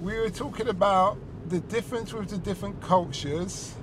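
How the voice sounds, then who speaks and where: Guy hosting a podcast from his parked cab, kinda high voice, chatty, lots of restarts, street noise behind. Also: moderate pace. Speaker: taxi driver and podcast host. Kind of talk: casual chat. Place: parked car. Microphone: podcast mic. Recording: noisy car recording. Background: car and street noise.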